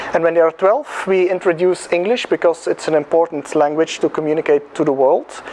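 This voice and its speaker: Noticeable background noise behind a man with a Dutch accent, high-pitched, fairly quick, with fairly even intonation. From Belgium, Dutch-speaking (Flanders). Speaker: professor, researcher. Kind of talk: interview. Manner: halting, many repetitions.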